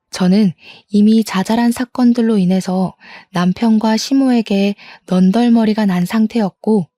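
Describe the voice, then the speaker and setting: A woman's voice: mid-range voice, warm tone, dry recording. A woman in her thirties narrating a personal story in an indignant, conversational way. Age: 30s.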